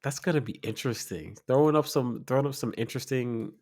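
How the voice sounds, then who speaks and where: A young man co-hosting a podcast in casual chat, relaxed, laughing often and repeating his words. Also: medium pitch, quick pace. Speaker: podcast co-host.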